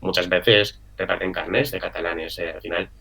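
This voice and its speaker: A man's voice: deep voice, fairly even intonation, normal speed, creaky, bright, forceful tone. A young man from the Canary Islands, speaking in an interview and arguing his views earnestly, with many fillers and tag questions. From Canary Islands, Spain. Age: young adult. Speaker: interview guest. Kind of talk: political interview answer.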